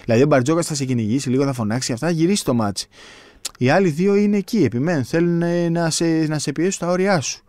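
A man's voice: a little high, a little mellow, no room sound. Hesitant Greek-speaking sports journalist, man. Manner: hesitant, many fillers and restarts. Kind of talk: casual sports podcast chat.

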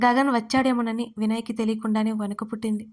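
A woman narrates an audio story in a steady storytelling manner, with a voice that sits fairly high. She keeps an even pace from line to line. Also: fast talker. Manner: steady storytelling, reads every character's lines.

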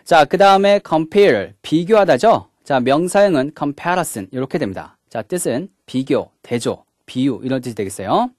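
A man's voice: a little high, lively intonation, moderate pace, few pauses, dry recording, studio quality. A man giving a recorded English grammar lecture, walking through each point step by step and opening each one with a short "자". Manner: mixes English words into the explanation.

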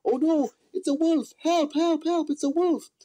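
A puppeteer voicing a mischievous, excitable young shepherd boy with exaggerated delivery in an amateur puppet show. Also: sits high, unhurried, rough recording. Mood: panicked. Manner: exaggerated, yelping when alarmed. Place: small indoor room, behind puppet curtain.

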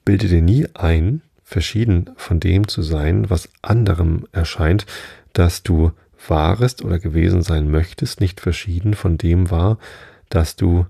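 Guy reading a smug preachy duchess, deep and husky, storybook style. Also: a little slow, dark tone, dry recording, clean studio sound, full character voice. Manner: preachy, spins out tangled morals. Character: moralizing, self-satisfied female duchess.

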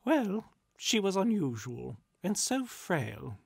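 Woman doing a gossipy sly ghost lady, super theatrical, swoopy and a bit husky, storybook thing. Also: on the low side, sing-song, takes it slowly, a little mellow, dry recording, clean studio sound, voice pushed up, exaggerated voice. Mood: catty, dismissive. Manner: arch, sly, exaggerated delivery. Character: catty, gossipy, theatrical female spirit.

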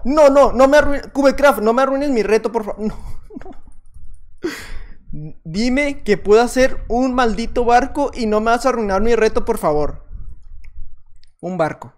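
A man with a Mexican accent giving casual gameplay commentary, chatty and repeating short phrases over and over, sometimes bursting into loud excited yelling. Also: high voice. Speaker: gaming channel host.

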